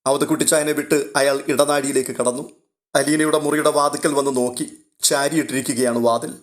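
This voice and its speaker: A man reading a scripted, literary audio story in a measured, emotive way. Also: mid-range voice, fairly even intonation.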